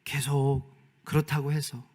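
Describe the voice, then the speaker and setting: A man preaching a Sunday sermon as pastor, moving between quiet asides and loud, shouted calls. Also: fairly high pitch, little pitch movement, measured pace. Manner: swings from soft whispers to loud shouted calls.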